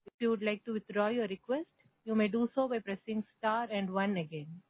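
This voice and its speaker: A woman's voice: mid-range voice, a little fast. Polite female call moderator, muffled line. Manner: polite, formulaic. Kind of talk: scripted operator announcements. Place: conference call. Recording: muffled conference phone line.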